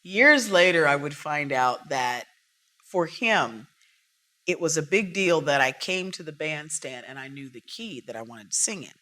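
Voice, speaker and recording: A jazz singer from Oakland, California, a woman telling stories from her career as a podcast guest, animated and lively. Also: low voice, measured pace. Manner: animated storyteller, acts out quotes. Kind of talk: storytelling interview talk.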